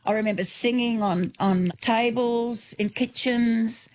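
A woman's voice: a little high, steady tone, takes it slowly. Older Australian woman telling stories. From New South Wales, Australia. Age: 60s. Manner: warm storytelling, vivid lists, some restarts. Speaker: author and guest. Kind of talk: radio interview.

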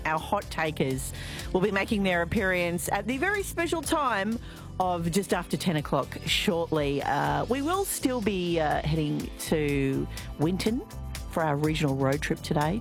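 Bubbly Australian woman radio presenter. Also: lowish voice. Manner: bubbly and chatty. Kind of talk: live weekend radio chat. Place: radio studio.

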